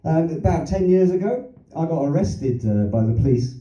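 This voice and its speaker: On a small theatre stage, an older London comedian with a warm, lively voice on the high side tells rambling anecdotes at a moderate pace, full of self-deprecating asides and chuckles. It was filmed from the audience while he held a handheld mic, so the sound is roomy, distant and dull.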